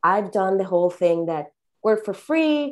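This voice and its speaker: This woman's voice sits at medium pitch with a dark, mellow tone. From Australia. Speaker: filmmaker. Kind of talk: interview.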